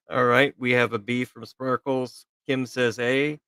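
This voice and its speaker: A man's voice: mid-range voice, flat delivery, slow pace, a bit bright, clean tone, no echo, clean studio sound. A man hosting a live show, giving casual, joking quiz-style commentary on a video. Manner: playful, joking.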